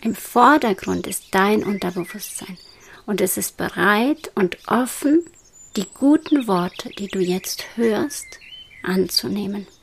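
A woman guiding a hypnosis meditation in a soft, slow whisper. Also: medium pitch, creaky, a little hiss or hum. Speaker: hypnosis guide.

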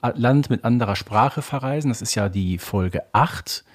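A man's voice: medium pitch, normal speed. Man casually explaining on a podcast. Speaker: podcast co-host.

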